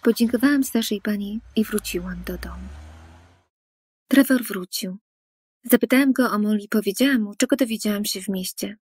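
Female storyteller with a husky, mellow voice for an animated first-person story, earnest, dry studio read. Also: mid-range voice, moderate pace, no echo. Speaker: narrator.

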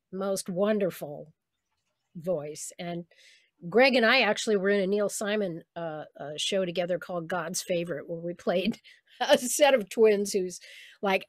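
A woman's voice: medium pitch, no room sound. A woman from Saint Louis, a voice actress, giving reflective, easygoing answers in an interview, laughing now and then. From Saint Louis, USA. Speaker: voice actress guest.

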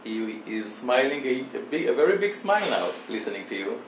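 A man's voice: medium pitch, sing-song, brisk, distant mic. Formal male interviewer in an echoey room. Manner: formal, flowery phrasing. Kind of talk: interview questions. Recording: echoey room, faint hiss.

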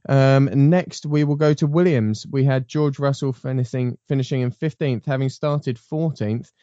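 A man's voice: medium pitch, steady tone, moderate pace, warm tone, dry recording, dull audio. A man hosting a casual motorsport panel chat, rambling with frequent ums and restarts. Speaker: podcast host.

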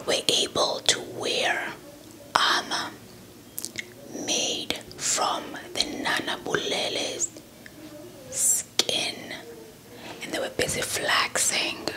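Young woman, breathy whispered ASMR storyteller, slow deliberate delivery, repeated phrases, close microphone. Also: sharp tone. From South Africa. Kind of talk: whispered ASMR folktale storytelling with playful roleplay. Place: small indoor setup before a cloth backdrop. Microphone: handheld microphone with fluffy windscreen, held close.

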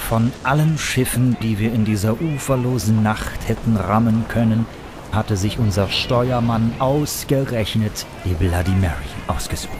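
A man's voice: on the low side, normal speed, background noise. A man narrating a scripted first-person adventure in a grandiose, ornate storytelling manner. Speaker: narrator and hero of an audio play.

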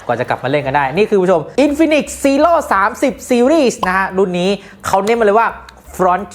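A woman's voice: medium pitch, sing-song, normal speed. A woman hosting a casual phone review, playful and jokey, chatting directly to viewers. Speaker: tech reviewer host.

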